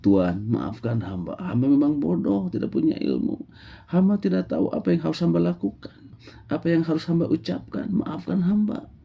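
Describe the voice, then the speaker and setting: A man voicing a humble, simple young male shepherd who croons and pleads slowly. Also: mid-range voice, big pitch swings, vocal fry, dark tone, pitched above the performer's own voice, exaggerated voice. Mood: tearful.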